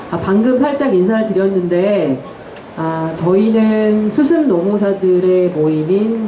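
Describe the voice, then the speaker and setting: Speaking very slowly at a medium pitch, a woman is heard over noticeable background noise with audible room echo. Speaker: trainee labor attorney, panel moderator. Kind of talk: public talk moderating a panel.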